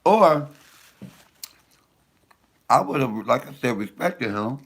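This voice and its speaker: A middle-aged man with a deep voice, a comedian chatting casually and profanely with viewers on a livestream. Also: slow, husky. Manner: animated, loose and profane storytelling.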